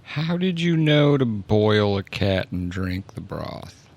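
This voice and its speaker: A man's voice: fairly low pitch, very animated, takes it slowly, darkish tone, lo-fi sound. A man playing a tabletop game, improvising casual in-character chat in an awkward, hesitant, wry way.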